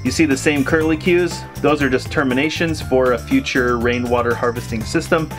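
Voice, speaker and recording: A man's voice: medium pitch, steady tone, moderate pace, music in the background. Plainspoken man explaining plumbing outdoors. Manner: practical, plainspoken, explains step by step. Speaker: homesteading vlogger. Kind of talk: casual explainer vlog. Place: outdoors in snow by a forest.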